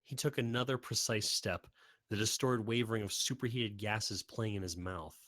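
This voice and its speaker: A man's voice: fairly low pitch, normal speed, a bit bright, no echo. A man reading scripted, dramatic fantasy story narration.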